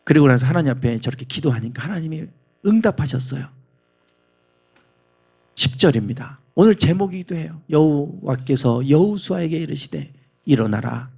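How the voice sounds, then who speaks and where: A man's voice: on the high side, expressive, normal speed, gravelly, darkish tone, slightly rough. A man preaching a sermon as pastor in a church, speaking emphatically and leading the congregation in reading. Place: church sanctuary.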